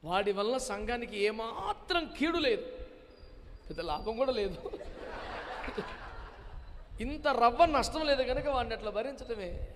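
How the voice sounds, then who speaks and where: A male pastor preaching a sermon, animated and dramatic, acting out quotes in his talk, with a Telugu accent. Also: very high-pitched, a little slow, long pauses, big-room sound, slight background noise.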